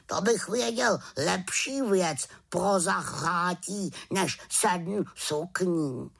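Woman playing a croaky know-it-all raven. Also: on the low side, voice pushed up. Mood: lecturing. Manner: croaking, lecturing tone. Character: wise talking male raven, grumbling and know-it-all. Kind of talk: audiobook character reading.

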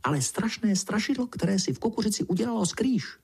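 A man voicing a timid, gossipy female tree frog in a bedtime story, talking in a hushed, breathless whisper. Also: high voice, animated, vocal fry, breathy edge, voice pushed up, exaggerated voice. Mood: secretive.

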